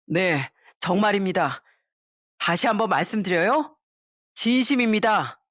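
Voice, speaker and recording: A woman's voice: medium pitch, expressive, a bit bright, no echo, studio quality. A woman voicing a son-in-law who speaks firmly and evenly in a storybook reading. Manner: firm, measured. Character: firm, calm son-in-law standing his ground.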